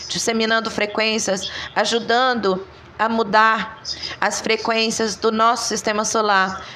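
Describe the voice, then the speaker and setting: Female voice-over artist for a dubbed interview; slightly high, monotone, measured and unhurried. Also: slight background noise. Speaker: voice-over translator.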